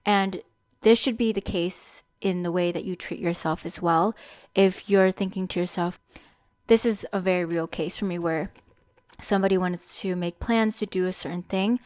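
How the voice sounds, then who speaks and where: A woman's voice: fairly low pitch, fairly even intonation, moderate pace, darkish tone, no echo. Candid young woman, dry close sound. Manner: candid and chatty, thinking aloud. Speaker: podcast host. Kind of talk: solo reflective podcast monologue.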